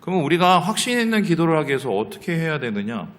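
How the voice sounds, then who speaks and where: A pastor with a slightly high voice talks fast as he preaches a lively sermon in his church sanctuary, questioning the congregation and acting out the lines of people in the story. Hall reverb fills the recording, and the congregation reads aloud together in the background.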